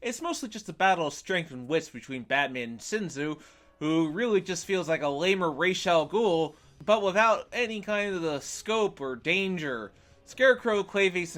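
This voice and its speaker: High-pitched man narrating a game review. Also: fairly bright tone. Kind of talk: scripted video review narration.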